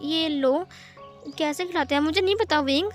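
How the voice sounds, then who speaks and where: A bashful young new parent who stammers and sulks when teased, as a woman reader puts him on. The voice is high-pitched and hesitant. Soft music sits faintly behind it. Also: moderate pace, natural voice. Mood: flustered. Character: shy, flustered young man, new parent.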